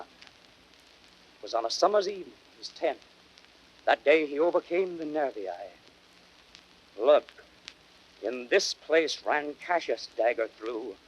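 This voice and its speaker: An actor playing a grieving Roman orator rousing a crowd in impassioned theatrical Shakespearean declamation. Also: male voice, medium pitch, slightly rough, rough recording. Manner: impassioned, drawn-out, swelling from hushed to shouted.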